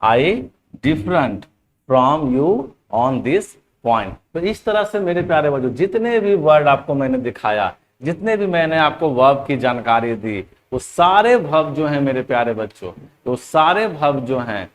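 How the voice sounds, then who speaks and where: A man teaching English grammar to students, explaining in Hindi, slowly dictating example sentences and often addressing the class as "children". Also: on the high side, lively intonation, slight background noise. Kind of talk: classroom lesson.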